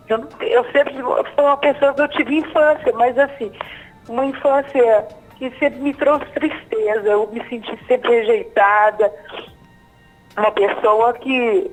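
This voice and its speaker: A woman in her fifties calling in live to a TV program, halting and repeating herself as she tells of her fears. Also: fairly high pitch, poor audio. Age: 50s. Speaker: caller. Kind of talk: live phone call to a TV program.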